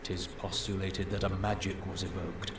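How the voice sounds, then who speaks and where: A man's voice: low voice, level tone, normal speed, lightly acted. An actor playing a solemn male scholar in a fantasy game, with grave, ornate and archaic formal speech. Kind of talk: scripted fantasy game dialogue. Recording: echoey, distant, very noisy game audio.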